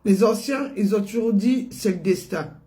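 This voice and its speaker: A woman vlogger telling a story in casual, animated way, often amused. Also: medium pitch, moderate pace.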